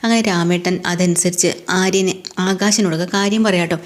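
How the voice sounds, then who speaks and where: A woman's voice: lowish voice, steady tone, a little fast. A woman casually retelling a TV serial episode in a chatty way, reading the characters' lines in her own voice. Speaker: serial recap narrator.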